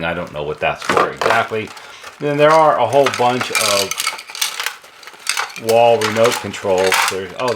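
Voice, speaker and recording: A man's voice: lowish voice, very noisy. A man talking casually and unscripted as a repair technician, explaining hardware and thinking aloud as he handles it. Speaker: intercom repair technician presenting equipment. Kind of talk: casual unscripted hands-on product walkthrough.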